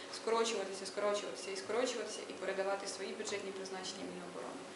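A woman races along very fast amid clear background noise and an audible echo from the room. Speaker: deputy environment minister. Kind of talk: live Q&A with callers. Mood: calm, explanatory. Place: meeting room.

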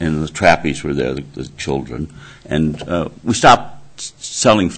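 Vocal fry marks this man's very deep, low-pitched voice. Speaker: speaker. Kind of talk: informal talk on local history. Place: hall. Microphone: podium.

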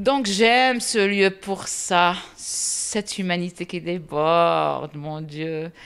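This woman's voice sits at a fairly low pitch. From Morocco. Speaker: restaurant owner. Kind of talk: personal testimony. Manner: hesitant with fillers. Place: cafe.

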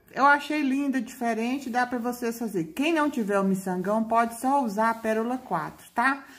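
A woman with an ordinary speaking voice, fairly high in pitch, ordinary pitch variation, moderate pace and hardly any pauses, in a very clean recording with a silent background. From Minas Gerais, Brazil (Belo Horizonte). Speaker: beadwork craft video creator. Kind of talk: casual vlog answering viewer comments.

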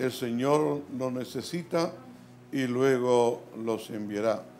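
A man's voice with faint music in the background. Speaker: pastor. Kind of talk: scripture reading in sermon. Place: church. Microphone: podium.

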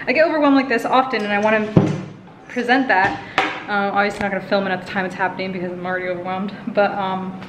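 A woman at a very fast pace with ordinary pitch variation, over loud background noise. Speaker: travel vlogger. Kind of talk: casual vlog chat. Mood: reflective, a bit emotional. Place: home room. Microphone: phone near.

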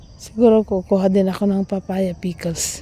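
A dark, mellow, somewhat breathy tone, with monotone, flat intonation at a fairly slow pace. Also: woman. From Philippines, Pangasinan. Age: 50s. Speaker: vlogger and landowner. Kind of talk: casual vlog walkthrough. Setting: outdoors on a farm.

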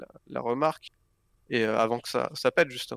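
A man talks at a medium pitch. The sound is dry and close, without any echo. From Switzerland. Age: 20s. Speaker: esports player. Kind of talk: interview. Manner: halting.

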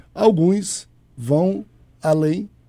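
Somewhat breathy, the man speaks in a dark, mellow tone. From northern Brazil. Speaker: pastor. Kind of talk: radio debate. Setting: radio studio. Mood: earnest, firm conviction. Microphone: studio mic.

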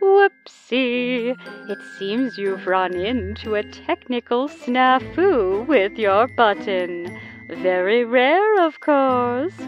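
With faint music in the background, a woman speaks very slowly in a fairly high voice. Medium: read story. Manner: bright, cheery, scripted.

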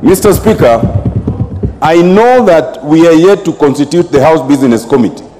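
A man with a Kenyan accent, fairly high pitch, very wide pitch swings and a moderate pace, over light background noise. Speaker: member of parliament. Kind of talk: parliamentary oratory, formal point of order. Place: hall. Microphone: podium.

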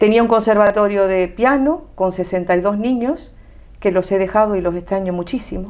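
Her Uruguayan accent comes through as this woman speaks with ordinary pitch variation. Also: moderate pace. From Uruguay, raised in Rio Branco on Brazil border. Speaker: concert pianist. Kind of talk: interview. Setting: television studio. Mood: calm, reflective. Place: studio. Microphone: lapel.

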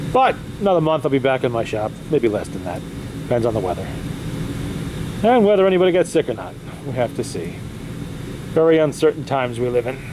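A man rattles along at a very fast pace with noticeable background noise behind him. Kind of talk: casual vlog chat. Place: workshop. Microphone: phone near.

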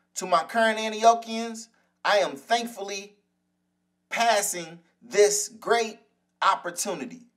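A man with an American accent, very slow pace and ordinary pitch variation. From Indiana (Indianapolis). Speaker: graduating student and poet. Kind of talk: spoken word poetry.

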